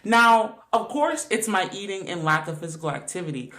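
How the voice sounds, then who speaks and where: Animated young woman telling a story. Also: medium pitch, moderate pace. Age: 20s. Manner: animated, emphatic, laughs often, slangy. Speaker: podcast host. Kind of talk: casual storytelling podcast.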